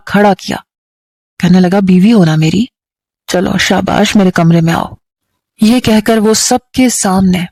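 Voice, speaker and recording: A woman storyteller with a Pakistani Urdu accent reading a dramatic story in a steady, emotive way. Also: medium pitch, dry recording.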